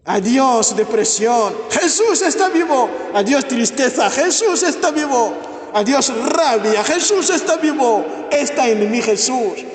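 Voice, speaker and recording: Fervent priest in an echoey church. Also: male voice, very high voice, animated, measured pace. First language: not Spanish. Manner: fervent, repetitive invocations, rising to exclamations. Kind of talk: healing mass homily. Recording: echoey church with long reverb.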